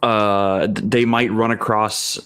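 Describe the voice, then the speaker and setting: A man's voice: fairly low pitch, flat delivery, takes it slowly, a bit bright, clear, resonant tone, no echo, studio quality. A man talking casually as a panelist, hesitant and thinking aloud in fragments. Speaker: panelist and game master. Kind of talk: casual discussion.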